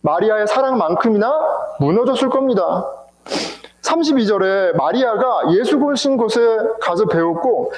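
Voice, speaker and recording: A man's voice: high voice, lively intonation, moderate pace, roomy sound, low-quality recording. A male pastor preaching an emotional sermon with rhetorical questions to his congregation, in a church sanctuary.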